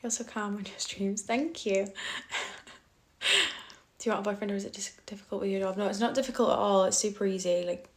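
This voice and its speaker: A woman's voice: mid-range voice, steady tone, fairly quick, pauses often. Blunt Cumbrian woman live-streaming. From Cumbria, England. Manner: blunt, dismissive toward trolls, laughs easily. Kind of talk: casual live-stream chat answering comments. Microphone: phone.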